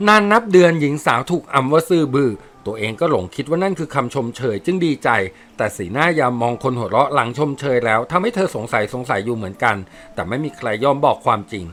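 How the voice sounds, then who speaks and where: Guy reading a war story audiobook, fast, bright voice. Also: medium pitch. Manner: steady storytelling. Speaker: audiobook narrator. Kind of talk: reading a war novel aloud.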